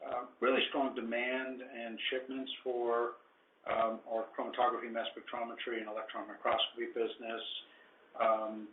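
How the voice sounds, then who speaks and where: Executive man, measured and hesitant, roomy phone-line sound. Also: mid-range voice, little pitch movement. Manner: measured, with frequent ums and restarts. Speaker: company executive answering analysts. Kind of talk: earnings call answers.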